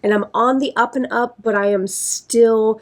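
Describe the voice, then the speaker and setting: A woman talks casually to her viewers in a raspy, congested voice, hoarse from a sinus infection. She chats in a friendly, rambling way, often circling back and restarting her sentences. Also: on the high side, fairly even intonation, normal speed. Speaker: beauty vlogger. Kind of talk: casual chat.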